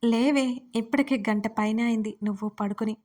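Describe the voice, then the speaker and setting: A woman with a slightly high voice and a darkish tone speaks at normal speed with fairly even intonation, sounding close to her everyday voice. She plays a blunt, teasing young man in a spoken audio story.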